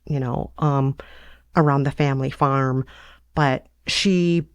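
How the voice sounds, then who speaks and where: A woman chatting reflectively and conversationally as a host on a relaxed bedtime podcast. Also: extremely low pitch, takes it slowly, clear, resonant tone, no echo.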